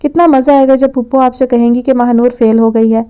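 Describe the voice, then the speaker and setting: Woman reading as sly young guy in an audio novel, coaxing, smooth fairly high voice. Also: fairly even intonation, mellow, close to an everyday voice. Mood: scheming. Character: sly, teasing young man.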